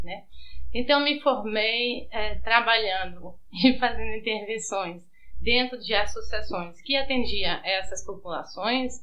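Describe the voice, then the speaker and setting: A woman's voice: mid-range voice, pushed and bright. Woman from France, Brazilian accent, talkative interview guest, slightly muffled recording, faint noise. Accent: Brazilian Portuguese. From France, grew up on the outskirts of Paris. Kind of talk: informal interview, telling life story.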